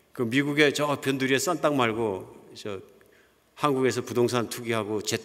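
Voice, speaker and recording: An older man, a pastor, preaching a sermon in a conversational storytelling manner. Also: mid-range voice. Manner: conversational, anecdotal storytelling with soft chuckles. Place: church sanctuary. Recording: long hall reverb.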